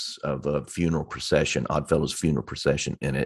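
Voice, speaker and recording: There is vocal fry in this man's voice. He speaks with an Arkansas accent against a quiet background. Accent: Southern US (Arkansas). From US South, eastern Arkansas near Memphis. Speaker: author and former history teacher. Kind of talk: interview.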